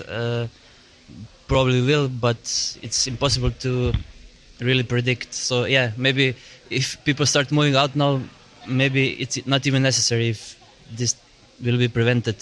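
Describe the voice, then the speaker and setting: A man's voice: medium pitch, level tone, measured pace, fairly bright tone. A man in a roundtable discussion, speaking hesitantly with many fillers. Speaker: roundtable participant.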